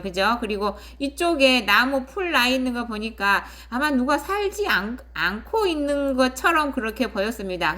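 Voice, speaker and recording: A woman's voice: on the high side, fairly bright tone. A woman hosting a property channel, explaining a listing in a conversational way and often checking in with viewers. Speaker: host of a rural real-estate channel. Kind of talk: casual explanatory narration of property listing and photos.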